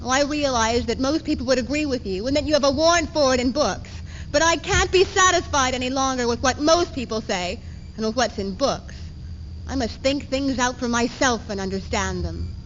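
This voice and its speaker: A woman's voice: sits high, moderate pace, natural voice. A woman playing an earnest, defiant woman in a readers theater piece, with emphatic, declamatory delivery. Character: earnest, defiant woman, one self of a divided woman. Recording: dull, noisy 1970s archive tape.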